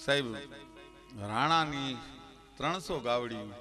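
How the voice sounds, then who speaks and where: A male folk storyteller with a Saurashtra Gujarati accent, performing on a live stage. His delivery is impassioned and climbs toward near-shouted peaks. Clear musical accompaniment plays under his voice throughout. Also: mid-range voice, slow pace, soft background music.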